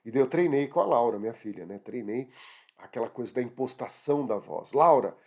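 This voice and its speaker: A man's voice: medium pitch, fairly quick. A middle-aged man with a Brazilian accent teaching an online grammar lesson, talking straight to his students and asking them questions. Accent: Brazilian Portuguese. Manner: animated, talks to students directly with rhetorical questions.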